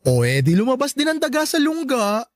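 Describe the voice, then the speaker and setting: An actor playing a sassy, campy gay best friend in a Tagalog radio drama, teasing and bluntly caring, drawing out emphatic words. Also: male voice, very high voice, wildly swooping pitch, brisk, dry recording, studio quality, full character voice.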